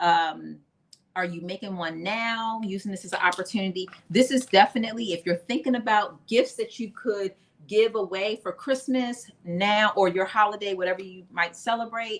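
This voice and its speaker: Her pitch is medium and varies in an ordinary way as the woman talks at a moderate pace. She has an unremarkable speaking voice, with big swings in loudness. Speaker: sewing channel host. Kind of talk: live stream sewing tutorial. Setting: live stream. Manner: casual, filler-heavy.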